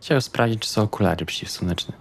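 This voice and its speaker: A man's voice: fairly low pitch, fast talker, vocal fry, husky. A man playing in a tabletop role-playing game, talking casually in and out of character.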